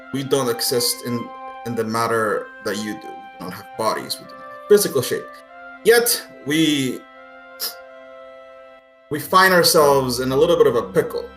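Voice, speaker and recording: A man voicing a solemn otherworldly being stuck in a human body, halting and formal, in a tabletop game. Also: medium pitch, a bit bright, reverberant.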